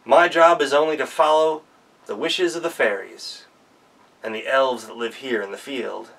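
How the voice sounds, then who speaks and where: A man's voice: mid-range voice, moderate pace, gravelly, fairly bright tone, distant mic, poor audio. A man voicing a great gray horse who speaks in a plain, firm, dutiful way.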